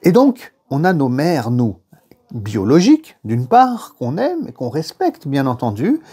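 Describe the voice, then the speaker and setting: A French-born man giving an animated religious lesson, telling anecdotes and repeating phrases for emphasis. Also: mid-range voice, measured pace, slightly rough. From France. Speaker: religious teacher. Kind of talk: lively lecture on faith and history.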